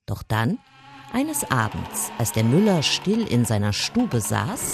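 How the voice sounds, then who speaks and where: A woman narrating a folk tale in an expressive, lively storytelling manner. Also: a bass voice, slow, music in the background. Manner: expressive, lively storytelling with raised voice for quoted characters.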